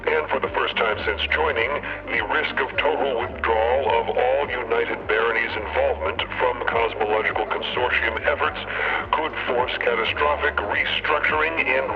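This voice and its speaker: An actor playing a serious radio news announcer in an audio drama, reading a bulletin with formal, clipped delivery. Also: male voice, mid-range voice, muffled recording, lightly acted. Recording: band-limited radio broadcast over music.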